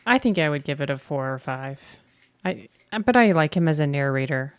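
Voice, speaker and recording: Low-voiced, easygoing woman podcast co-host. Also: lively intonation, normal speed, clear, resonant tone, no echo. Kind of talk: casual chat.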